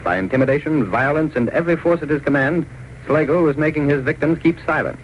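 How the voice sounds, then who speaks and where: A man narrating a 1930s radio drama in an even, declarative way. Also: a little high, fast, slight background noise. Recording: muffled old radio transcription.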